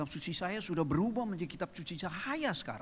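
This man's voice comes across as somewhat breathy. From West Java, Indonesia. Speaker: pastor. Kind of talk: sermon. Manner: animated. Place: church. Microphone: handheld.

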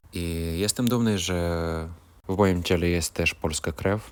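Very deep and low in pitch, a man's voice comes through on a very clean recording with a silent background. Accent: Ukrainian. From Ukraine, Volhynia (Lutsk). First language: Ukrainian (speaking Polish). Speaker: vlogger. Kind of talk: personal testimony. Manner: halting.

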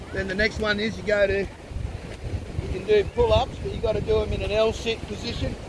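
A man talks in an Australian accent at a moderate pace with hardly any pauses. There is noticeable background noise, and the sound is dry with no echo. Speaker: fitness vlogger. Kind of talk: tutorial. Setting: outdoors. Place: beach.

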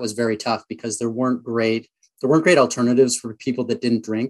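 A man uses an ordinary speaking voice at a medium pitch, with fairly even intonation and a quiet background. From Northern Ontario, Canada; Ontario, Canada. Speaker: brewing company founder; podcast guest. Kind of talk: interview conversation. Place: home room. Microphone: video call.

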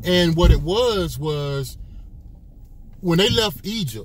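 Light background noise sits under a man's somewhat breathy voice with lively intonation and a dry sound with no echo. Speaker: vlogger. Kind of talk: casual vlog chat, religious reflection. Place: car. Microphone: phone near.

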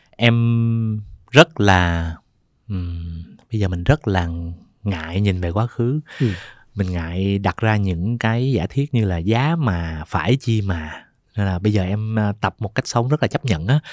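This is an ordinary speaking voice with lively intonation. The sound is dry with no echo. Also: man, fairly low pitch for a man, fairly slow pace, quiet background. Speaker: author and translator. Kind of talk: casual interview conversation. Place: studio. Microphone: studio mic.

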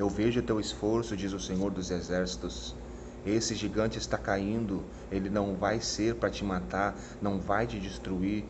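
A man with fairly low pitch talks at a fairly slow pace with lively intonation as noticeable background noise carries on. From Brazil. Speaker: evangelical preacher. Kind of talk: prophetic sermon. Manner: fervent, emphatic. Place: home room. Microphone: phone near.

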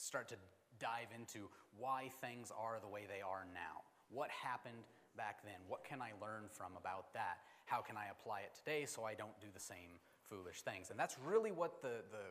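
This man talks at a moderate pace in a fairly low pitch with ordinary pitch variation. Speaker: Sunday school teacher. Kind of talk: sermon. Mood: friendly, lightly joking. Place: church. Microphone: lapel.

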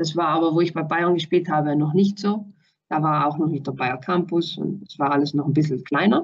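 A woman speaks at a moderate pace and a fairly low pitch. Her intonation stays fairly even. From South Tyrol, Italy. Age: 30s. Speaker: professional footballer. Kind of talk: interview. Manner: hesitant, many fillers.

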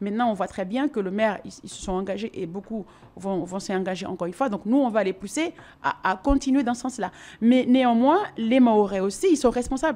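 Lively intonation and big swings in loudness mark a woman's dark, mellow tone. She talks at a fairly quick pace. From Mayotte. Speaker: activist collective president; interview guest. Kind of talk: TV interview. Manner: halting. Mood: earnest, concerned, firm. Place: studio. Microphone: studio mic.

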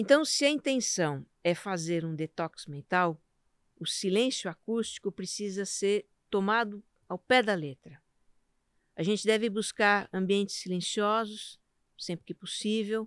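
A woman with an ordinary speaking voice talks at a fairly slow pace, her medium pitch moving with ordinary variation, in a dry, close recording with no echo. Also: very clean recording, silent background. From Brazil, São Paulo city. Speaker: podcast host on self-knowledge and mental health. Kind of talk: solo podcast monologue, reflective talk. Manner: calm, gentle.

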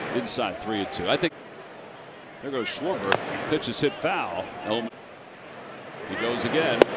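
This voice moves at a very slow pace with long, frequent pauses and very wide pitch swings, in a dry sound with no echo over loud background noise. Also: man. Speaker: baseball play-by-play announcer. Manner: conversational and relaxed between pitches. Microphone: headset.

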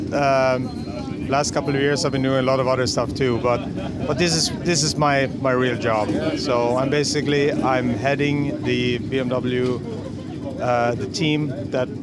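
Amid loud background noise, a man talks at a fairly slow pace. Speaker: interviewee. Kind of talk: interview answer. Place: tent. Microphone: handheld.

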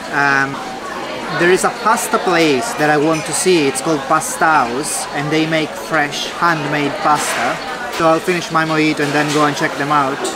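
Crowd noise fills the background as a man talks at a moderate pace. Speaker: travel food vlogger. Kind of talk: casual vlog chat. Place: waterside. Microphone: phone near.

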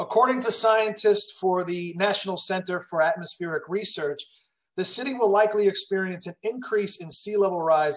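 A man's high-pitched voice at a moderate pace, over a quiet background. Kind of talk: formal opening statement. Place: office. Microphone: video call.

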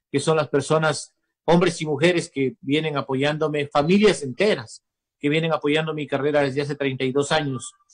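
A man talks at a fairly slow pace in a somewhat breathy, fairly high voice with fairly even intonation over a quiet background. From Ecuador, Loja; Ecuador. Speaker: singer-songwriter; interviewee. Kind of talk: interview. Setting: at home, remote. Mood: reflective, warm, grateful. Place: home room. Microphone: video call.

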